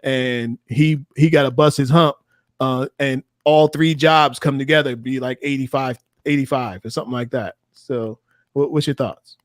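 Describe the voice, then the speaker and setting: A man hosting a casual panel discussion, talking in a relaxed, chatty way and reading out viewer comments. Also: mid-range voice, normal speed, no room sound, studio quality. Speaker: host.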